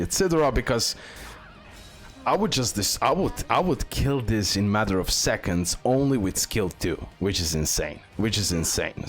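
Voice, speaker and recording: Low-voiced man commentating gameplay. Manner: repeats words and phrases. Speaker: gaming video creator.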